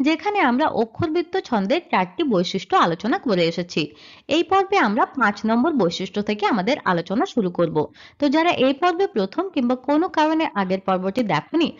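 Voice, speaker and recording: High lively-voiced woman teaching a lesson. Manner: explains step by step, asks and answers her own questions. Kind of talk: slide-based grammar lesson. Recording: dull lo-fi sound.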